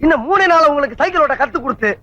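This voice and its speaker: A man's voice: extremely high pitch, animated, racing, bright, forceful tone, no echo, heavily acted. A man playing a comic villager, talking in a deferential, polite way. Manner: deferential, ends lines with polite -nga. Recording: dull dry lo-fi film soundtrack.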